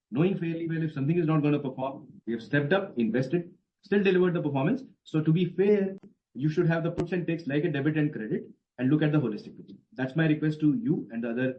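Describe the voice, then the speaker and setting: A man's voice: a little high, fast. A man with an Indian accent speaking as a company executive, giving emphatic, assertive explanations to analysts. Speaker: company executive on an earnings call. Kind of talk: spontaneous explanatory answers to analysts. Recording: dull, band-limited conference call audio.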